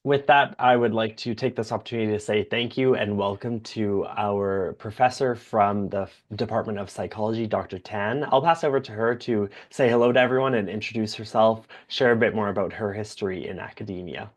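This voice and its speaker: A man's voice: lowish voice, steady tone, brisk, hardly any pauses. A young man hosting a video call interview, asking friendly questions from a home office. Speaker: host. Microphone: video call webcam.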